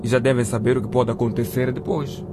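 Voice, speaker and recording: A male actor as a cautious, steady man in a radio play. He explains things patiently, in a mid-pitched voice, with car noise clearly behind him. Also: brisk, natural voice. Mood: serious, reassuring. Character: calm, cautious man driving two boys home. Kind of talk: radio drama acting.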